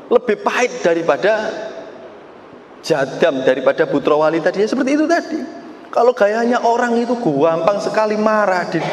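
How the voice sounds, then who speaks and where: Joking preacher, echoey hall. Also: male voice, high voice. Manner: joking, mixes in Javanese phrases, acts out quoted people. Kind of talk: casual sermon. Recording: echoey hall, faint background noise.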